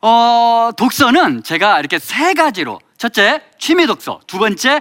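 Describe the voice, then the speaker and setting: A man talks at a fairly slow pace. His tone is animated. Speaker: humanities lecturer and author. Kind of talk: lecture; Q&A answers.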